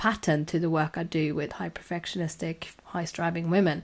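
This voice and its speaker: In a Swedish accent, the speaker keeps a moderate pace and fairly even intonation on a very clean recording with a silent background. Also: woman. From Sweden. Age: 40s. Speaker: clinical psychologist. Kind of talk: podcast interview.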